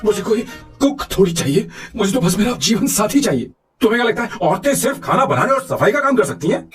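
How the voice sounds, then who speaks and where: A man's voice: sits high, very animated, fast talker. An actor voicing a lovesick young man in a dubbed film, earnest and pleading. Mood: indignant. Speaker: lead character. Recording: distant voice under film music.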